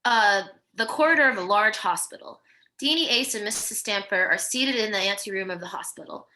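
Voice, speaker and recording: A woman with a bright, clear-edged voice at a medium pitch reads out screenplay stage directions. Her delivery is scripted narration for a table read. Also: brisk, rough recording.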